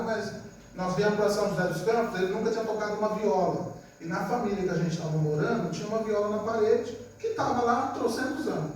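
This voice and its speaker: A man preaching a storytelling sermon at a church service. He talks conversationally, often asks the congregation to agree, and acts out the voices of family members in his stories. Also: high-pitched. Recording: echoey church, distant mic, faint noise.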